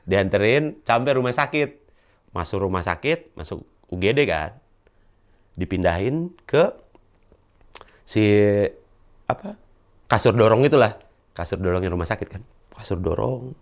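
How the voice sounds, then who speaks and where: Animated young man from telling a story. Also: a little slow, long pauses. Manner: animated, acts out people with shouted high bursts. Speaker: stand-up comedian. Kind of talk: storytelling monologue.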